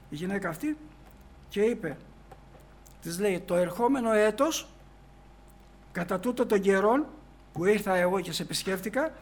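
A man preaching in a storytelling way, reading old scripture verses slowly and then explaining them in everyday speech, with many "he says" asides. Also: high-pitched. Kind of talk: sermon retelling a Bible story.

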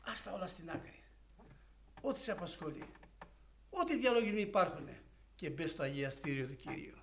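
Fervent high-voiced male preacher. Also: very animated, a little hiss or hum. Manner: swings from hushed storytelling to loud fervent exclamations; acts out dialogue in quoted voices. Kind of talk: evangelical sermon.

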